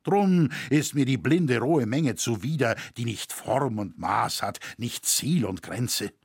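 A man reading the part of a boastful, sharp-tongued old woodcarver in a historical audiobook. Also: medium pitch, expressive, takes it slowly, gravelly, breathy edge, no room sound, studio quality, heavily acted. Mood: grumbling.

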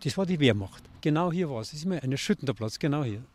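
A man's voice: a little high, expressive, fast, dry recording. An older man giving grave, plainspoken eyewitness testimony in an interview.

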